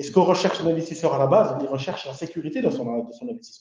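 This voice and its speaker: Speaking very fast in a southwestern French accent, a man uses a fairly high pitch. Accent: southwestern French accent, noticeable. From southwestern France. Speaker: real estate investment advisor. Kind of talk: webinar Q&A.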